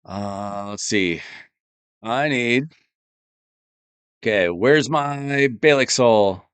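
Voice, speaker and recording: Guy streaming a game, slow laid-back talk, smooth voice kinda worn out, dry close mic. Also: medium pitch, no room sound. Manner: relaxed, thinking aloud while playing. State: losing his voice. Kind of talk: casual live-stream commentary.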